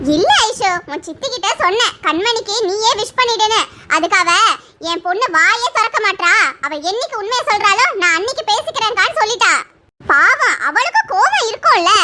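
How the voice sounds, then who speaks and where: In an extremely high pitch, a cartoonish character voice talks at a fairly slow pace. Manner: warm, caring.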